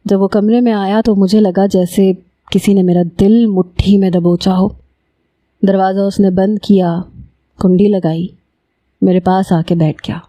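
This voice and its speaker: A woman narrating a first-person love story in a steady reading voice. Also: medium pitch, dry recording.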